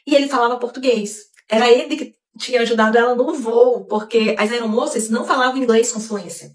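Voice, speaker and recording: A woman narrating a scripted explainer in a measured, explanatory way. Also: fairly high pitch, fairly even intonation. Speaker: video narrator. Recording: echoey, distant mic.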